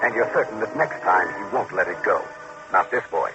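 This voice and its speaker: A man's voice: sits low, animated, brisk, music in the background. A man playing an uneasy amateur sailor in a suspense radio drama. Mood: uneasy, brooding. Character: male amateur sailor narrating his own uneasy scheme. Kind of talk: 1950s radio drama acting, suspense narration. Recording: muffled old radio broadcast.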